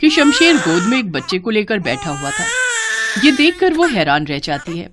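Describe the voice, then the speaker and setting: A woman narrating a scripted moral story in an expressive storytelling style. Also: medium pitch, moderate pace, very noisy.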